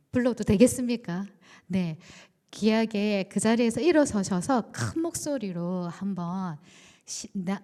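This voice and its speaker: Woman pastor, casual and good-humored, mellow voice, reverberant church hall. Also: mid-range voice. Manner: chatty, warm-humored, with light laughs and fillers. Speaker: pastor leading a midweek service. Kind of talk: casual conversational leading of worship. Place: church sanctuary.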